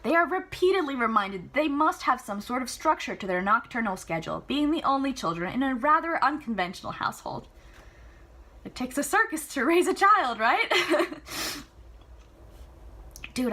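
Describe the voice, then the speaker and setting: A woman reading a novel aloud in an enthusiastic, chatty way, adding casual asides and reactions, with a husky voice. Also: on the high side, big pitch swings, normal speed, pushed and bright. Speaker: amateur book reader.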